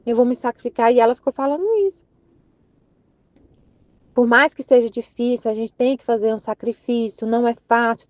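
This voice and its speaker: A woman's voice: a little high, darkish tone, no room sound. A woman in her thirties with a Brazilian accent, sharing a rambling, earnest spiritual reflection in a casual way. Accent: Brazilian Portuguese. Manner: rambling, many restarts and fillers, earnest. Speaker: Catholic channel member sharing reflection. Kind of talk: casual spoken testimony. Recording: dry, slightly muffled recording.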